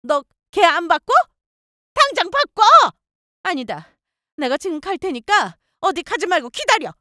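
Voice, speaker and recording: A woman voicing a bossy, spiteful older mother-in-law who yells and scolds in a shrill voice. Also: animated, moderate pace, dry recording, studio quality. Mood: furious.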